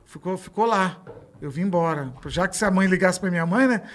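A man's voice: high voice, a little fast, a bit bright. A Brazilian man, telling a story in casual chat and acting out the voices he quotes.

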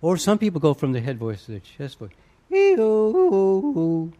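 A man's voice: mid-range voice, sing-song, fast talker, warm tone. A man, a singer and yodeler, chatting casually in an interview and explaining his technique, breaking into short yodel demonstrations.

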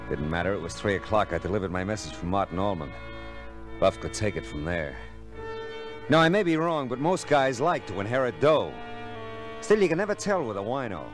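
An actor playing a wry, curious hard-boiled private eye in an old radio detective drama, with clipped, slangy delivery. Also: male voice, fairly low pitch, sing-song, fairly quick, music in the background. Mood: wry narrating.

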